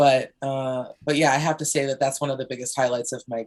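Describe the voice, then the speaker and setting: A woman with an American accent talks at a very deep, low pitch. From United States. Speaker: voice actor. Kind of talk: interview answer. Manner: energetic, expressive.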